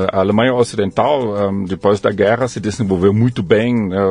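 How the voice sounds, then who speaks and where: At a fairly quick pace, a man speaks with a German accent. His pitch sits at a medium level. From Germany, Berlin. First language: German (speaking Portuguese). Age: 50s. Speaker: fintech founder and CEO. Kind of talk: interview. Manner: halting, many fillers.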